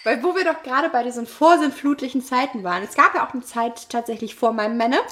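A woman's voice: on the high side, fast talker. A woman, co-hosting a podcast and telling personal stories in a casual, playful, giggly way. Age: late 20s. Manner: giggly, playful, animated storytelling. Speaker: podcast co-host. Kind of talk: casual chat, personal storytelling.

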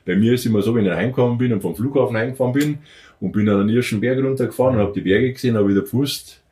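A man's voice: medium pitch, very fast, warm tone, roomy sound. A man with a Bavarian accent, a podcast guest talking casually with many fillers and restarts. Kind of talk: casual interview talk.

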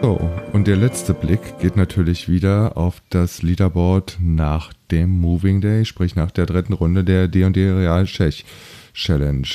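A man's voice: low-pitched, warm tone. A man hosting a golf recap, reading out scores and standings in a casual commentary style. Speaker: golf show host.

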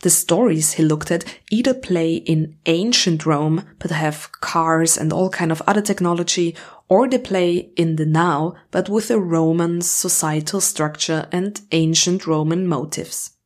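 A woman's voice: lowish voice, unhurried. A woman host reading scripted narration for a podcast report.

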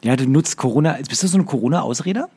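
A man's voice: a little high, animated, fast, mellow, husky. A man co-hosting a podcast, bantering and teasing in casual chat while sitting outdoors. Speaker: podcast co-host.

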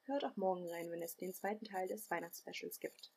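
Husky, gravelly woman podcast host. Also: lowish voice, fairly quick, darkish tone. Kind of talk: podcast episode introduction.

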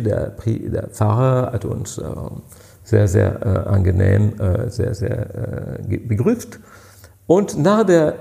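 A man in his sixties with a French accent, a native French speaker, answering interview questions as a guest in German. He tells stories haltingly and searches for words, with many fillers. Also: mid-range voice, vocal fry, dark tone. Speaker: party president, guest.

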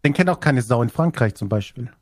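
A man's voice: medium pitch, expressive, brisk, no echo, clean studio sound. A man chatting casually in a jokey, playful way. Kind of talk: casual banter.

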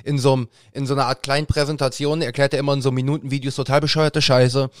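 A man's voice: mid-range voice, flat delivery, racing, dry recording, clean studio sound. A young man, a student facing exams, co-hosting a casual podcast and often laughing through his words. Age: young adult. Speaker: podcast co-host. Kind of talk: casual chat.

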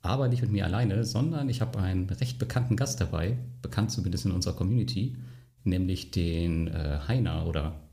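A man's voice: deep voice, brisk, mellow. A man hosting a podcast, talking in an easygoing, casual way. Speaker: podcast host. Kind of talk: casual conversation.

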